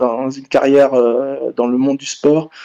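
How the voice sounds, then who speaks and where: Over a quiet background, a man with a dark, mellow tone and fairly high pitch speaks at a fairly slow pace in a dry, close sound with no echo. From France, Strasbourg. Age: 30s. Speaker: fitness coach, former American football player. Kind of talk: interview. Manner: hesitant, many fillers.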